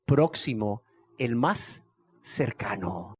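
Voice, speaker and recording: A man's voice: fairly low pitch, lively intonation, extremely slow, husky, no room sound, clean studio sound. A man preaching a sermon as pastor, emphatic, firing questions at the listeners and answering them himself, repeating key words.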